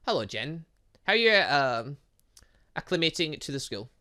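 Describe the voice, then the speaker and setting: A gamer voicing a composed, bright-toned headmaster. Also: mid-range voice, sing-song, moderate pace. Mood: calm, reassuring. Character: kindly, composed male academy headmaster.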